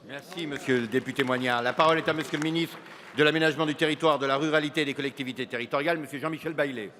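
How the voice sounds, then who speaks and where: A man presiding over a parliamentary session, briskly giving the floor to speakers in set formulas. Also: on the high side, fairly even intonation, a bit bright. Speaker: presiding officer of the assembly. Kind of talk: procedural announcements. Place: large parliamentary chamber. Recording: long reverb of a large chamber.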